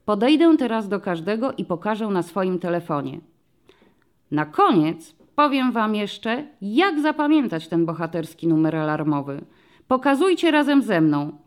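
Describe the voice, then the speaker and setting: A woman's voice: mid-range voice, natural voice. Woman doing a kindly police commissioner. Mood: explaining. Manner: calm, explaining slowly to children. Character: middle-aged male police commissioner, patient and friendly. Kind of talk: audiobook story reading.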